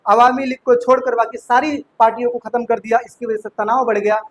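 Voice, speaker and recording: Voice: mid-range voice, fairly even intonation, brisk, poor audio. A teacher giving a spoken history lesson, posing rhetorical questions, answering them right away and repeating key points. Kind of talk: classroom lecture explaining history.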